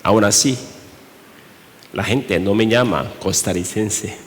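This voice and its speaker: Korean-accented male pastor, measured unhurried sermon, lowish voice, echo of a church hall. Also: slight background noise. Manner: slow, halting delivery with rhetorical questions.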